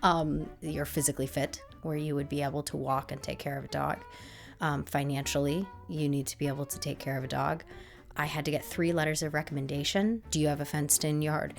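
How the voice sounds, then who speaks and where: A woman's voice: low voice, fairly even intonation, fairly quick, vocal fry, soft background music. A young adult woman telling her story casually, acting out voices and laughing often. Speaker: podcast guest.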